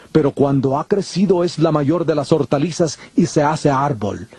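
An actor playing a calm, solemn male teacher of parables in a dramatized scripture audio, speaking in a measured, deliberate way. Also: on the high side, slightly rough, dry recording. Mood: storytelling. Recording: constant prominent music under the voice. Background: music.

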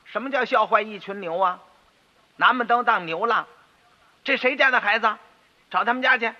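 A male storyteller voicing pompous, indignant stewards of a rich house, loud and blustering, on a dull radio recording with long reverb. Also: high voice, moderate pace, pitched above the performer's own voice.

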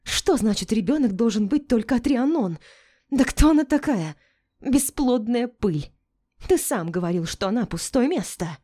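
A woman voicing a shrill hysterical noblewoman. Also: lively intonation, unhurried, dark tone. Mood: shrieking. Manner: shrieking, sobbing outbursts.

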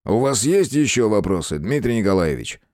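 Guy voicing a gruff-ish official, bossy and short, mellow tone. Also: fairly low pitch, sing-song, normal speed, no room sound, clean studio sound. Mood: stern. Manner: curt, authoritative. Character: stern male police official, brisk, commanding.

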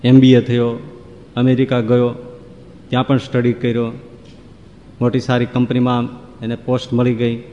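A man's voice: mid-range voice, monotone, normal speed, long pauses, mellow, muffled recording. Man preaching in a reverberant hall. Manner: folksy, rhythmic listing, rising exclamations. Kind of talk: devotional discourse.

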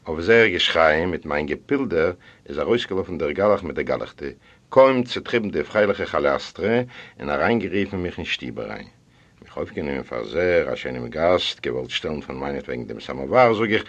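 A man reading a story aloud in the first person, expressive and swinging between hushed and loud passages. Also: a bass voice, normal speed. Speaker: audiobook reader. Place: library recording room. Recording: dull lo-fi audio.

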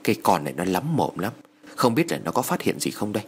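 A man doing a fretful, hushed village wife. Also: lowish voice, very animated, fast, a little hiss or hum. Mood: worried whisper. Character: worried scheming village wife.

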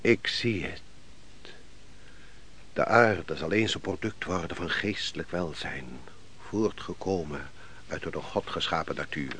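An actor playing a defeated army commander in a Dutch radio play, weary, bitter and brooding, speaking in a grave, declamatory way. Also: male voice, deep voice, measured pace, pauses often, fairly bright tone. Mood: grave, visionary. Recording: noisy old radio play recording.

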